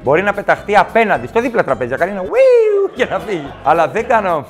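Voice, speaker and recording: A man performing a stand-up comedy routine on stage, animated and acting out characters in quick voices. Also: high-pitched.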